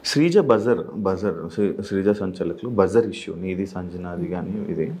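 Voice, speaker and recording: A man's voice: low-pitched, normal speed, a little mellow, slight background noise. A man interviewing a guest, asking probing, teasing questions and murmuring agreement while she speaks.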